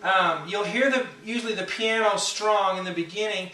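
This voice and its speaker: A man with a rather high voice giving a casual, relaxed piano lesson at a whiteboard, talking through chords with plenty of fillers. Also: moderate pace. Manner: relaxed, chatty, many fillers, counts beats and hums notes. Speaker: piano teacher. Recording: roomy sound from a distance over loud piano.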